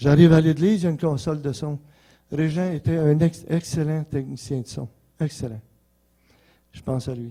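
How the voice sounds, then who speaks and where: With a Quebec accent, a man speaks at a moderate pace in a fairly high, somewhat breathy voice with a dark, mellow tone, ordinary pitch variation and long, frequent pauses. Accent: Québécois French. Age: 60s. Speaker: church member giving testimony. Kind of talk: testimony.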